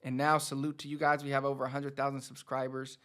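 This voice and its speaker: Despite a completely flat delivery, this man's medium-pitched, fairly bright voice moves fast. In his thirties, the Spanish teacher and channel host gives a casual motivational talk to camera, conversational and repeating words for emphasis.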